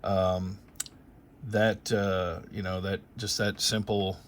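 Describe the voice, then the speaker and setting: A man's voice: deep voice, flat delivery, takes it slowly, slight background noise. A man hosting as an amateur radio operator, casually talking through technical details in a rambling, explanatory way, thinking aloud as he goes.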